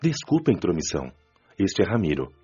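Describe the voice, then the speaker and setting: A courteous, humble male spirit, voiced by a man, speaks earnestly in a deep, warm voice with a lively rise and fall. The audio is slightly muffled, with soft music underneath. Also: a little fast, slightly rough, exaggerated voice. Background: soft background music.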